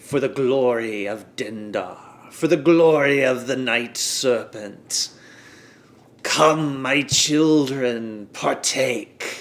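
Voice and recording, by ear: Speaking very slowly, a man performs a put-on character voice at medium pitch.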